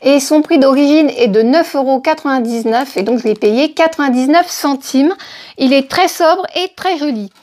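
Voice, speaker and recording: A woman's voice: high voice, moderate pace, darkish tone. A middle-aged woman from France hosting a casual shopping haul vlog, chatty and hesitant, with many fillers. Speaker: haul vlogger.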